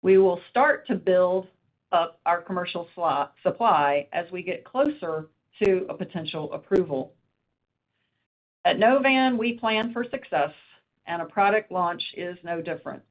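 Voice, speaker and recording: A woman's voice: on the low side, lively intonation, measured pace. Woman presenting over a tinny phone line. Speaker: company executive presenter. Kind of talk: scripted corporate earnings call presentation. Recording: narrowband phone conference line.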